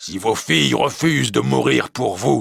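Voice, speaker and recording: Someone puts on a growling character voice at a moderate pace. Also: man. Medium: read story. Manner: stern, commanding.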